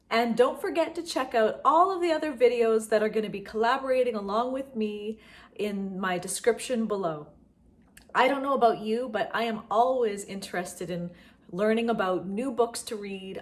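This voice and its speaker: A middle-aged woman hosting a homeschool vlog, talking casually and directly to her viewers. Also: medium pitch. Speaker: homeschool vlogger and channel host. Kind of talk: casual vlog talk to viewers about books.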